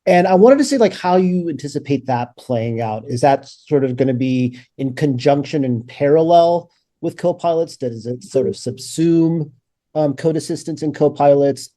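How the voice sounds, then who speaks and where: A man asking questions as a financial analyst on a conference call, with halting, hesitant phrasing. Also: medium pitch, warm tone.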